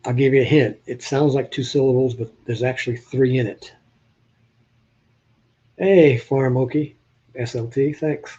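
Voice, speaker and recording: An older man from New Hampshire with a slight Southern drawl chats with his live-stream viewers and jokes with them. His voice is dark and a little husky. The sound is dull and slightly lo-fi. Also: medium pitch, fairly even intonation, unhurried, pauses often. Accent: Southern US with New England traces. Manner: chatty, joking, talks to viewers in chat. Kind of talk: casual live-stream chat showing old photos.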